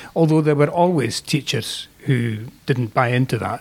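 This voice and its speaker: With a Scottish accent, a man talks at a fairly quick pace and with ordinary pitch variation. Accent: Scots-tinged Scottish English. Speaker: novelist. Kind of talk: conversation. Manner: thoughtful, hesitant.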